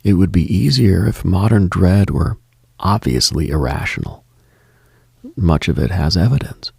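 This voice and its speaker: A low-voiced man hosting a late-night broadcast, his delivery slow and measured. His husky, gravelly tone often falls to a breathy whisper as he moves through short contemplative lists. The sound is close and dry, with no room around it. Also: a little mellow, no echo. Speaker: late-night radio host.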